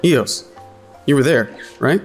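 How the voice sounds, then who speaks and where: A man's voice: medium pitch, expressive, slow, soft background music. An actor playing a wry, weary working man who narrates his own story in a dry, self-deprecating way in an audio drama. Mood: probing. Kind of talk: scripted first-person narration, noir audio drama.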